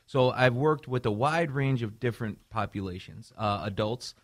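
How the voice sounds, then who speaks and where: A man from Chicago, a mental health clinician, earnestly explaining his path as a radio guest. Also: medium pitch. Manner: earnest, measured, some restarts. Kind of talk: radio interview answers.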